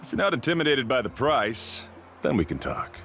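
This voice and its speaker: A man's voice: medium pitch, big pitch swings, moderate pace, fairly bright tone, soft background music. An actor playing a proud, self-assured tribal guide who talks up his own skills. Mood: boastful. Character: boastful top male tribal guide, proud.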